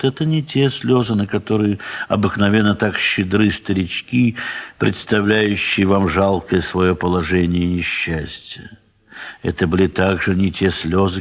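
A man narrating a classic story in a 1970s Soviet audio drama, in a dramatic literary style with measured, expressive pauses. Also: on the low side.

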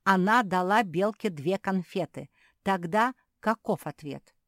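A patient older sister creature from a storybook, explaining each point slowly and carefully, as a woman puts her on. Her voice sits somewhat higher than plain talk, in a dry close recording. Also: fairly bright tone, dry recording.

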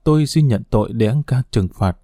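A frightened prisoner pleads in a hushed voice, weighed down by guilt, as a male narrator reads him. The tone is dark and mellow, recorded dry and close. It is an audiobook story. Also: mid-range voice, animated, fairly quick, no echo, lightly acted. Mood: hushed pleading. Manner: hushed, whispering plea.

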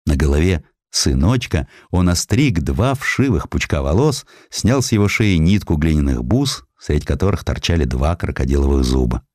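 Male audiobook narrator, very low register, expressive historical storytelling, close dry recording. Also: moderate pace, few pauses, no room sound.

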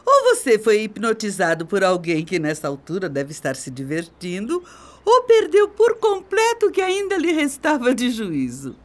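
An actress with a Brazilian accent playing a bitter, haughty middle-aged wife in a radio soap opera, mocking and theatrical. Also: female voice, fairly high pitch, wildly swooping pitch, normal speed. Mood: mocking, scornful. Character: bitter, scornful middle-aged wife leaving her husband.

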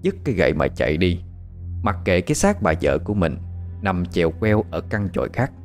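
A man's voice: deep voice, big pitch swings, fairly quick, a little mellow, soft background music. A man narrating a horror audio story in a dramatic storytelling manner.

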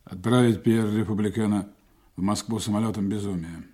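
A man's voice: on the low side, fairly even intonation, brisk, dark tone, lightly acted. A man acting a cold, commanding spymaster in an audio drama, terse and unsentimental in his clipped speech. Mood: cold, businesslike.

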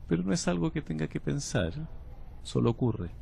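An actor playing a calm, cryptic male patient who claims to come from the future, speaking in a slow, measured, unsettling way. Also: on the high side, vocal fry, slight background noise, full character voice. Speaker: patient under interview. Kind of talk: audio drama acting.

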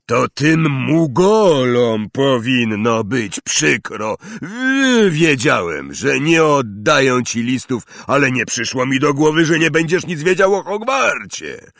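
Hagrid, a man doing a booming half-giant. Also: sing-song, fairly bright tone, dry recording, studio quality, heavily acted. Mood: angry. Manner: booming, slow, emphatic outbursts. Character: huge gruff male half-giant, hot-tempered.

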